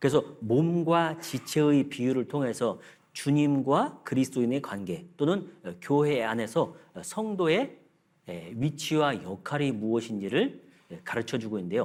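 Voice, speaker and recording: A man's fairly high voice at a fairly slow pace, with very wide pitch swings and big swings in loudness. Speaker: pastor. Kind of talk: sermon.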